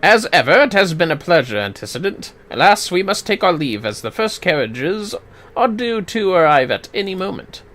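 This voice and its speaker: A man's voice: high voice, big pitch swings, moderate pace, fairly bright tone, voice pushed up. A man voicing a courtly, gracious fantasy noble from a video game, in theatrical, formal, archaic phrasing. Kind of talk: amateur voice acting of game dialogue.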